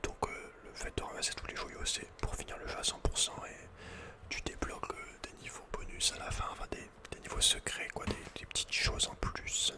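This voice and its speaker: A man whispering breathily as an ASMR host playing a video game, chatting informally with playful asides. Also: normal speed.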